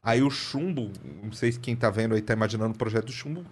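A man with a Brazilian Portuguese accent, a podcast guest who works in the press, telling a story in casual chat, animated and laughing often. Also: mid-range voice, quick pace, slightly rough.

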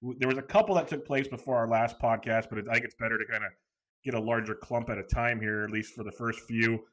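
Relaxed man co-hosting a podcast. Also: medium pitch, quick pace. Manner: laughs easily, relaxed banter. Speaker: podcast co-host. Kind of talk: casual podcast chat.

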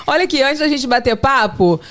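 Lively laughing woman hosting a podcast. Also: high voice. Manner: lively, laughs often, coaxing a toddler. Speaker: podcast host. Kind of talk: playful family podcast chat. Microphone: studio podcast mic.

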